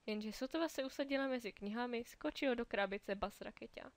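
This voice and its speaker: A woman reads a children's storybook aloud, clear and lively, and gives the characters small voices of their own. Her voice sits a little high, and the recording is dry with no room echo.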